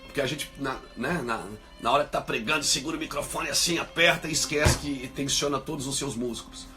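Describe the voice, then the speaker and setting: A man's voice: medium pitch, a little fast, music in the background. A male pastor telling a personal story in a sermon, moving from easy conversation to fervent preaching.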